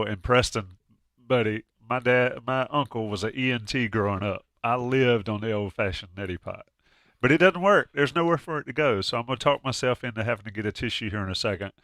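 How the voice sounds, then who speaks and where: A man's voice: medium pitch, fairly quick, fairly bright tone, dry recording, studio quality. A man hosting a casual sports chat, stuffy from a cold, joking and restarting often. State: congested with a cold. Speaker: podcast host.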